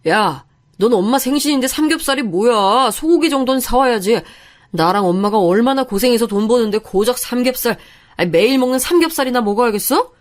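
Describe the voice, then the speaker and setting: A woman voicing an angry young husband who shouts accusations at his wife. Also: a little high, expressive, fairly quick, close to an everyday voice. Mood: angry shouting. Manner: yelling, accusatory.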